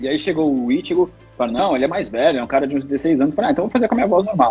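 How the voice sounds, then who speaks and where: With music in the background, a man speaks at a very fast pace in a fairly high pitch with lively intonation. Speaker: voice actor. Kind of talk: interview answer.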